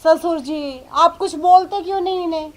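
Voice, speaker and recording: A woman playing a sharp-tongued young police officer who is also a daughter-in-law. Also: very high voice, moderate pace, very noisy. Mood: teasing. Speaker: police officer in a comedy telefilm.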